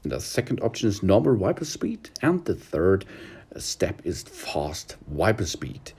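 A man's voice: low voice, sing-song, creaky, a little mellow, slightly rough. A man giving a hesitant, methodical instructional walkthrough from inside a car, recorded on a handheld phone. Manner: hesitant, methodical, with many pauses. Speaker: car tutorial presenter.

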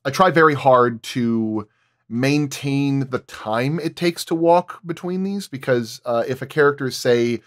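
A man's voice: mid-range voice, unhurried, fairly bright tone, no echo, studio quality. A man working as a sound designer explains his craft in detail in a roundtable discussion.

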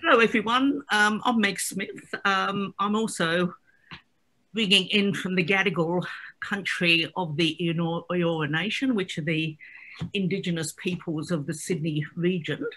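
A woman's voice: on the low side, unhurried, sharp tone, low-quality recording. An older woman introducing herself on a video call in a chatty, wry way. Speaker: researcher panelist. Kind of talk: casual self-introduction. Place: home room with bookshelves on a video call.

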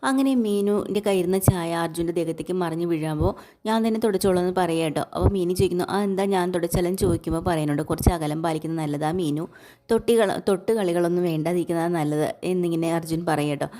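A woman's voice: lowish voice, quick pace, dark tone. A woman, casually retelling a serial story and quoting its dialogue in her own voice. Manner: plain retelling, quotes dialogue in her own voice, frequent filler "kettō". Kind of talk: casual spoken recap of a serial.

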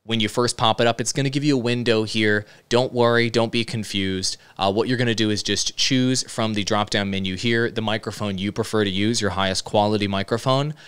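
A man hosts a casual software tutorial, explaining each step. His voice is fairly low and clean, recorded close on a broadcast microphone indoors. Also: fairly even intonation, brisk, hardly any pauses, clean tone. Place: indoor streaming room. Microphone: close dynamic broadcast microphone with headset monitoring.

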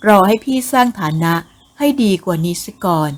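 Gentle poor young farmer, earnest, slow and low in tone, a woman narrator playing him. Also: expressive, natural voice.

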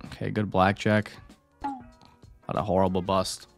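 A man's voice: sits low, wildly swooping pitch, slow, creaky, soft background music. Swearing man giving casual gameplay commentary. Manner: swearing, talking straight to viewers. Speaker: gambling streamer. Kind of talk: casual commentary while playing.

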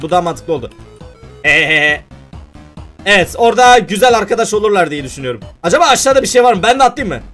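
A man giving playful, excitable let's-play commentary at his computer, often exclaiming and laughing as he talks to viewers. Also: high-pitched. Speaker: gaming YouTuber.

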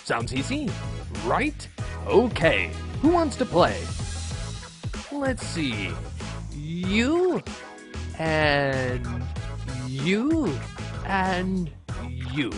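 A man's voice: a little high, huge pitch swings, extremely slow, long pauses, music in the background, exaggerated voice. A man playing a showy, genial game show host who narrates a storybook tale in a comic audio drama. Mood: upbeat, showy.

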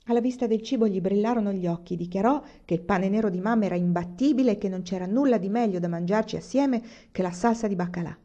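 Woman reading a story, mellow tone. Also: mid-range voice, fast, hardly any pauses, dull audio. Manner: steady, expressive storytelling. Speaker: audiobook reader. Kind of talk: scripted narration.

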